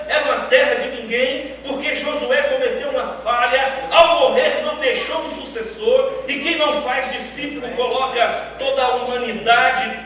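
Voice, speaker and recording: High-voiced preacher in an echoey church. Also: male voice, pushed and bright, slight background noise. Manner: emphatic, rhetorical questions. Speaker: pastor. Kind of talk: sermon. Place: large church. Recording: echoey hall from far off.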